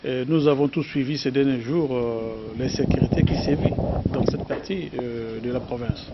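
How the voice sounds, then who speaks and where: Man, Congolese French accent, mid-pitched voice, measured and earnest, dull lo-fi news audio. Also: very noisy. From Kongo Central, DR Congo. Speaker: official. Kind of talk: press statement.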